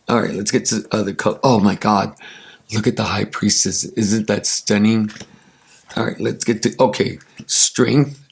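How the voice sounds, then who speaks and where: A raspy man with allergies, casually chatting and enthusiastically showing off tarot cards, with many ums and uhs. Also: lowish voice. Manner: gushing, enthusiastic, with many fillers. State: congested from allergies. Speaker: tarot deck reviewer.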